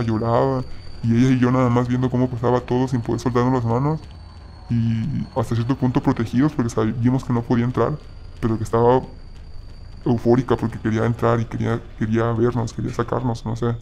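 A man recounts a personal story in a gravelly, flat voice. He speaks haltingly and keeps breaking off to restart his sentences. Faint noise sits under the voice. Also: medium pitch. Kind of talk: personal story told casually.

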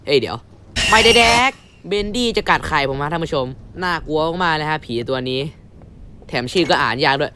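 A man's voice: on the high side, lively intonation, brisk, a little hiss or hum. Thai gamer man, chatty and crude. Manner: mock-polite announcer tone turning crude and shouty. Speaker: gamer commentating his playthrough. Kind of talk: casual gameplay commentary.

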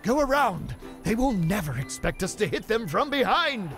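A man's voice: big pitch swings, normal speed, music in the background. A male actor voicing a pompous, bawdy medieval knight in a video game, delivering grand mock-archaic lines full of innuendo. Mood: commanding. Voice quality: high, theatrical voice with mock-archaic speech. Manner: grand, innuendo-laden pronouncements. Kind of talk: video game voice line reel.

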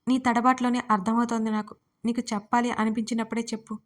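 A gentle, caring young woman from an audio story, read by a woman narrator. She speaks softly and reassuringly, in a higher voice with little rise and fall. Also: level tone, quick pace, close to an everyday voice. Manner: soft and reassuring.

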